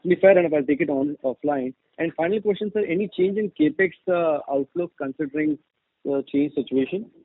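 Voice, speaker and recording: A man speaks as an analyst on a conference call. His voice sits a little high and has plenty of creak. The sound is a dry, narrow telephone feed. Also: a little fast, dry recording. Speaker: analyst asking questions. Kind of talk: earnings call questions. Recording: dry, narrow phone line.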